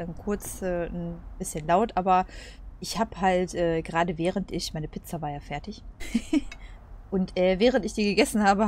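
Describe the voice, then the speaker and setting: A woman's voice: lowish voice, a little mellow. A woman giving casual gameplay commentary in a rambling, colloquial, hesitant way. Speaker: let's play host.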